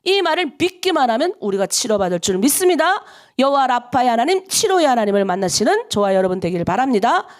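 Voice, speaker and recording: Woman, middle-aged, North Korean accent, pastor, dawn prayer sermon, animated storytelling, high voice, very expressive pitch. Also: fast. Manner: animated, acts out voices of people in her stories. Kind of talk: early-morning prayer sermon.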